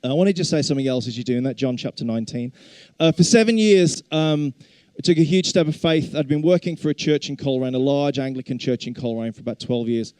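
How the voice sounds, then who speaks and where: A middle-aged man with a Black Country accent speaks to a congregation in a relaxed, mellow voice. The sound is close and dry. He preaches informally and chattily, with self-deprecating humour. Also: mid-range voice, fast, smooth, no echo. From English Black Country. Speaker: guest preacher and worship leader.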